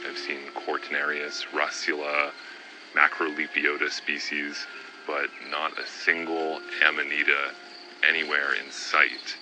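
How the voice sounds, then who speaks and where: A man hosting a documentary, narrating and asking questions in a calm, measured, softly deadpan way. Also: extremely low pitch, noisy background. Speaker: documentary host. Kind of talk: documentary narration and field interviews. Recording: voice over loud background music.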